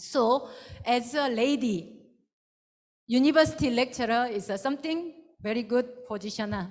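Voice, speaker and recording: A woman with a Malaysian accent speaks at a moderate pace, high in pitch with ordinary variation. She leaves long, frequent pauses. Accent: Malaysian-sounding English. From South Korea. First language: Korean. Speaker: missionary and university lecturer. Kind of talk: church testimony. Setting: church service. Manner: halting.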